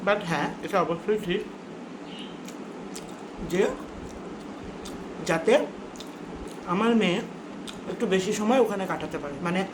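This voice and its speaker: A woman's voice: fairly low pitch, slow pace, pauses often. Casting: woman, mukbang vlogger talking through mouthfuls, confiding and rambling, in an echoey, noisy room. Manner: talks while eating, mouth often full. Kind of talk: casual mukbang chat. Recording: roomy echo, clearly noisy background.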